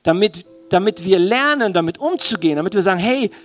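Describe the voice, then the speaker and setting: A man delivers an informal sermon in a high-pitched voice. His intonation swings widely and animatedly as he talks straight to his listeners in everyday, colloquial wording. Music plays behind him. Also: animated, a little fast. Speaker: preacher. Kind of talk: sermon in informal youth language.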